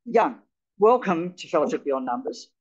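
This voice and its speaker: A man's voice: fairly high pitch, very animated, moderate pace, breathy edge. A man hosting a networking event and interviewing his guest, friendly and hesitant with many fillers. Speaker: host. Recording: dull lo-fi recording.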